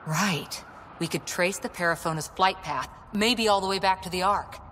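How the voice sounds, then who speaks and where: A woman's voice: fairly low pitch, normal speed, noisy background, lightly acted. A woman playing a determined soldier lieutenant. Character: tough female military lieutenant, driven and loyal. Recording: game audio with soft music behind.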